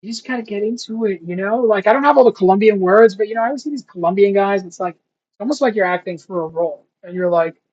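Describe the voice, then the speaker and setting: A young man, a language learner vlogger, talks to himself while studying in a husky, slightly breathy voice that sits high with a darkish tone. He rambles and thinks aloud, drifting between chatty asides and slowly sounding out foreign words. The recording is dull and lo-fi, like a cheap home setup.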